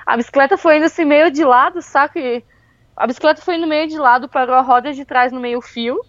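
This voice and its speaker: A woman, telling a travel story in a casual, lively way, full of fillers. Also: sits high, fast, no room sound, highs cut off. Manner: lively, with many fillers like "tipo" and "meu".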